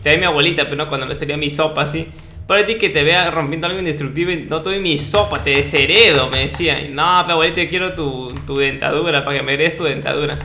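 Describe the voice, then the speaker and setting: A man's voice: fairly high pitch, fast, sharp tone. A young man giving casual gameplay commentary in a playful, mock-boastful, slangy way. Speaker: gaming video host. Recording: roomy echo, faint noise, clicks.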